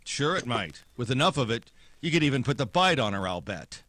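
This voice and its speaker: Guy doing tough noir private eye for a radio play, wry and terse, forceful bright voice, close dry sound. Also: mid-range voice, sing-song, brisk, no room sound. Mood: scornful. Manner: terse, sardonic wisecracks. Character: hard-boiled, wry male private detective. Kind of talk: old-time radio noir acting and narration.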